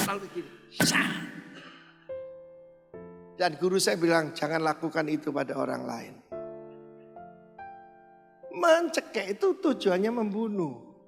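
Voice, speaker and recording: Man preaching, high voice, long hall reverb, faint music behind. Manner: animated preaching with sudden loud outbursts. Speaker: pastor. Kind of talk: sermon.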